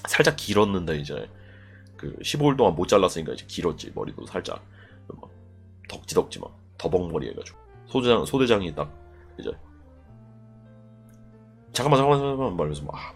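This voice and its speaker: Profane, animated young man telling army stories. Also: fairly low pitch, breathy edge. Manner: animated, profane, acts out voices with loud bursts. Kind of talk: casual storytelling to a live chat.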